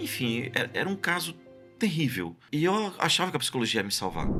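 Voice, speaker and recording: A man speaks at a moderate pace with very wide pitch swings. Music plays in the background. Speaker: therapist, creator of a therapy method. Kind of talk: interview answer.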